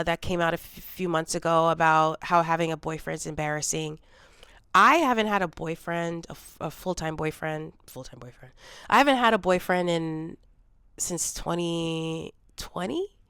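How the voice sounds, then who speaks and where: A woman in her forties talking candidly in a reflective personal vlog, congested from a cold and low on energy. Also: normal speed, a bit bright, clean tone, no room sound, studio quality. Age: 40s. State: congested, dry cough. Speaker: vlogger.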